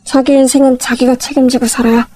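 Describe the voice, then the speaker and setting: A woman voicing a middle-aged husband in a spoken story, calm and firm in a lecturing tone. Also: sits high, quick pace, a little hiss or hum, close to an everyday voice. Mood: firm resigned.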